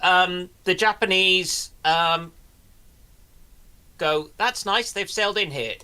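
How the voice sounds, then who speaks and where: A man's voice: sits high, slow, bright, forceful tone, clean tone. A man on a live panel chatting casually with a dry, joking manner. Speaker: panel guest.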